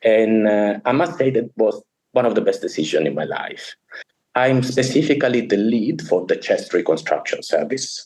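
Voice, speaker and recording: With an Italian accent, the speaker talks at a moderate pace. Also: man. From southern Italy (Apulia). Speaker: plastic surgeon. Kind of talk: interview. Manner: hesitant, many fillers; lively.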